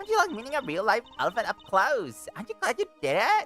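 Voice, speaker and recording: Man's put-on character voice, extremely high-pitched, racing along at a very fast clip over faint background music. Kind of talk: valley girl voice. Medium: game stream. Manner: perky, gushing.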